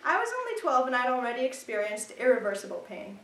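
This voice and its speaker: A woman's voice: a little high, big pitch swings, fast, a bit bright. A young woman, a college student, reading her own wry prose aloud at a literary reading. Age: young adult. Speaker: student reader. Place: reading event room. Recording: echoey room, voice from a distance.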